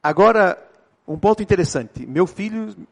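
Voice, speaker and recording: A middle-aged man from Brazil with a Brazilian Portuguese accent, preaching a sermon with joking, animated storytelling. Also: high-pitched, normal speed. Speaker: pastor.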